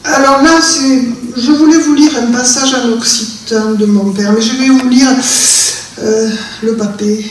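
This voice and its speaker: Speaking unhurriedly in a fairly even, somewhat high voice, an older woman with a southern French accent shares stories as a guest at a live conversation event held indoors at a festival. Reflective and earnest, she keeps looping back and starting over. The sound comes from a distant mic in a very reverberant space, with faint room hum underneath.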